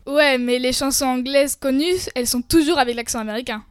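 A young woman co-hosting a scripted debate show, lively and opinionated. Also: sits high, brisk, clear, resonant tone, no room sound. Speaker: co-host.

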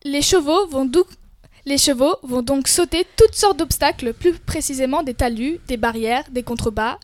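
High voiced girl cohosting a debate bit, opinionated, super dry sound. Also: normal speed, no room sound. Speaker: co-host. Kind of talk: scripted debate show.

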